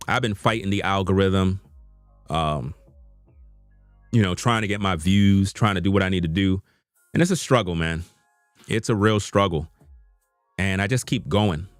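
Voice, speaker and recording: Low-pitched, clear and resonant, with no echo: this is a male YouTube content creator talking to his viewers during an unscripted live stream from a computer in his home. His manner is earnest and repetitive, and his language is slangy and informal.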